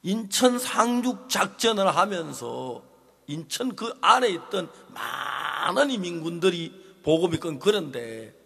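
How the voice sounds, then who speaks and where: An older pastor with a Gyeongsang accent tells a story in his sermon with lively, swooping pitch. His voice is gravelly and husky. It rings with the long reverb of a large church hall. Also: a little slow. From Gyeongsang, South Korea. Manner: animated, dramatic storytelling, addresses the congregation.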